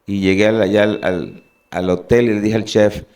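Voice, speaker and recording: A man from Venezuela giving an earnest, halting personal testimony as a guest. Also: on the low side, fairly even intonation, darkish tone, distant mic.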